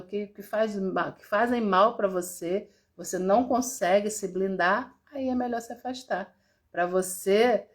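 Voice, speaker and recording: A woman from Brazil, a therapist with a Brazilian accent, talking casually to viewers on a live stream and laughing now and then. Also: medium pitch. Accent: Brazilian Portuguese. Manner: chatty and warm, laughs often, reads out viewer comments.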